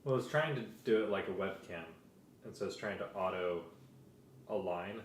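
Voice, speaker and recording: A man's voice: low voice, normal speed. A man co-hosting a livestream in casual, informal conversation. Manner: informal, conversational, asking questions. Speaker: livestream co-host. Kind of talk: casual chat. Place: indoor room. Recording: roomy echo, clear background noise.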